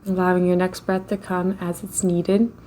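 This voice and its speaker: A woman leading a slow guided meditation in a gentle, unhurried way, with long pauses between phrases. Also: fairly low pitch, flat delivery, slight background noise, rough recording.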